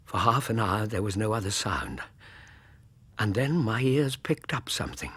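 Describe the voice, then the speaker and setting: A man narrating a story in a grave, measured way. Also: medium pitch, fairly bright tone, breathy edge, no echo.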